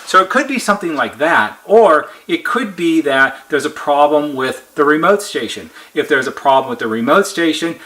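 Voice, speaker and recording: A man with a bright, fairly high voice walks the listener through a repair as an experienced technician would. His delivery is instructional and methodical. He explains each step plainly and restates key points.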